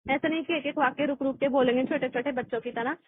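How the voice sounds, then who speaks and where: Woman, teacher, high voice, exam-prep lesson, restarts phrases, tinny phone-like sound, faint hiss. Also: fairly even intonation. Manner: explains step by step, often restarting phrases and adding "अ"; reads textbook passages aloud slowly.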